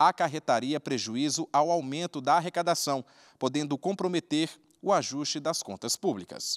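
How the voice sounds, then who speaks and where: Against a quiet background, a man speaks at a fairly high pitch and a moderate pace. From Brazil. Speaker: news presenter. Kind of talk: news reading, scripted court news report. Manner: formal, even and steady, brisk broadcast delivery; neutral and impersonal, with precise legal wording. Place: hall. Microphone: handheld.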